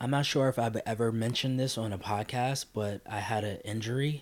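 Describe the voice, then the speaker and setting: A man at medium pitch uses a normal speaking voice, moving at a fairly slow pace with ordinary pitch variation. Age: 30s. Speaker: podcast host and YouTuber. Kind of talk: casual monologue.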